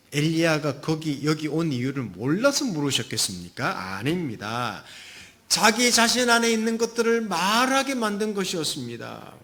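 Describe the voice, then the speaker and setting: A man preaching a sermon as pastor, moving between loud emphasis and soft whispers and acting out quoted voices. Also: on the high side. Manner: acts out quoted voices of God and Elijah.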